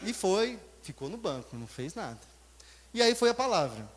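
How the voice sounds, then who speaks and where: A man with a Brazilian Portuguese accent, a pastor preaching a sermon and telling a story in a lively way, swinging between loud and soft. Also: high voice, normal speed, in a large hall, crowd noise.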